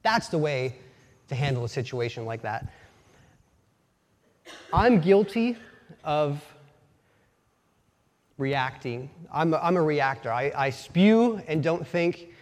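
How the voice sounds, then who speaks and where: A man's voice: a little high, animated, takes it slowly, pauses often. A man from Pennsylvania with a light Pennsylvania Dutch accent, giving a casual, folksy sermon full of personal stories and self-deprecating asides, often restarting his sentences. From Pennsylvania, USA. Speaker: lay preacher. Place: church sanctuary. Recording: long church reverb.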